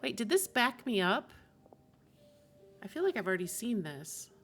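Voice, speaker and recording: A woman's voice: fairly high pitch, very animated, moderate pace, a bit bright, faint music behind. A woman game streamer chatting casually and talkatively to her live audience. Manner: chatty, often laughs while talking.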